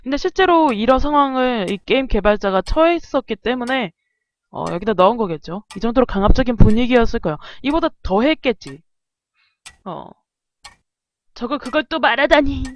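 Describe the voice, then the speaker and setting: A woman streamer giving animated, exasperated let's-play commentary on a close mic. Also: on the high side, brisk.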